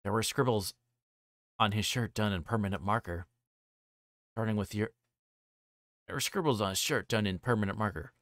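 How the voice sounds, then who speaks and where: Man acting out a probing, low-voiced older detective. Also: moderate pace, pauses often, fairly bright tone, dry recording, studio quality, natural voice. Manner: polite, leading questioning. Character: probing older male police detective, politely insistent. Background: music behind the voice.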